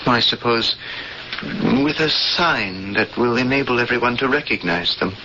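Earnest doomed rebel prisoner, old radio play, bright forceful voice, formal wording, muffled hissy tape. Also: male voice, mid-range voice, animated, measured pace. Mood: resigned. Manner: formal, solemn phrasing. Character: earnest, fatalistic male prisoner and would-be rebel. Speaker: actor playing a cellmate. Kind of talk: 1970s radio drama acting. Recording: dull, noisy vintage radio broadcast.

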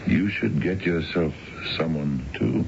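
A noisy old radio drama recording carries a very deep, creaky American voice. It is a middle-aged husband, self-indulgent and set on feeling young. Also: male voice, slow pace, darkish tone, dull audio, exaggerated voice. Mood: defiant, smitten. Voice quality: gravelly. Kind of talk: 1970s radio drama acting.

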